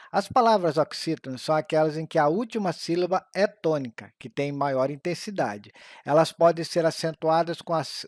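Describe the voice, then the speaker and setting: A man reads an exam-prep grammar lesson, slowing down carefully over the examples. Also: fairly high pitch, dry recording, clean studio sound. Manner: slow, careful reading of examples.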